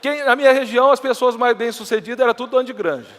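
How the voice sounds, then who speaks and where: A man's voice: extremely high pitch, fast talker, fairly bright tone. A middle-aged Brazilian man with a countryside Minas Gerais accent, telling his life story to a live audience in a chatty, anecdotal way. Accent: Brazilian Portuguese, countryside Minas Gerais. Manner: anecdotal, acts out quoted dialogue, chatty asides. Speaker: entrepreneur giving a talk. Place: stage in a large hall before an audience. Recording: reverberant hall.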